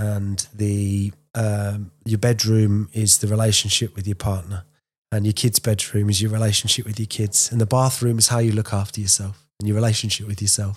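The recording is very clean, with a silent background. A somewhat breathy man speaks in a fairly low pitch at a moderate pace, with monotone, flat intonation. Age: 30s. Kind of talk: casual chat.

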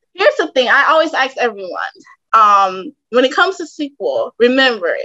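A woman's raised, projected voice, high in pitch, bright and sharp in tone, with very wide pitch swings. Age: 20s. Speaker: data engineer. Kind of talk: casual chat.

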